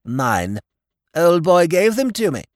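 A bumbling, childlike young lord speaks in slow, clipped scraps of sentences, as a reader puts him on. The voice sits far above the reader's own and swoops wildly. The sound is dry and close. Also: medium pitch, big pitch swings, a little mellow, no room sound, voice pushed up. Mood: blustering. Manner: clipped telegraphic phrases, slow and emphatic. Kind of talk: audiobook character voice.

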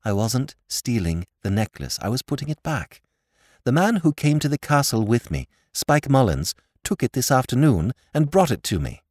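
An earnest young storybook gentleman, acted out by a man narrating. He sounds sincere and keen to explain, with an apologetic edge. His pitch moves a great deal and the sound is dry. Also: sing-song, moderate pace, no echo. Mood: confessing.

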